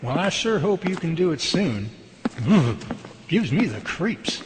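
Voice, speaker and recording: A man's voice: very animated, a little slow. A man playing an eager, jittery field researcher in an amateur radio drama, with a folksy, easily awed manner. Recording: noisy track with ambient rumble.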